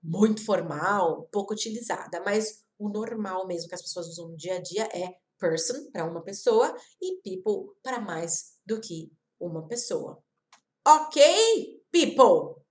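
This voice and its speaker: A woman from Brazil teaching an online English lesson, repeating example words slowly and talking straight to her viewers. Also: mid-range voice. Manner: slow, careful repetition of example words; chatty, addresses viewers directly.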